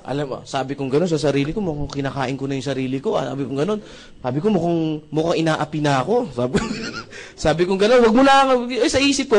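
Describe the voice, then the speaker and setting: Animated Filipino man telling a story. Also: sits high. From Philippines. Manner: acts out dialogue with shifting voices, asks audience often. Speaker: seminar speaker. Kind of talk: animated testimonial talk.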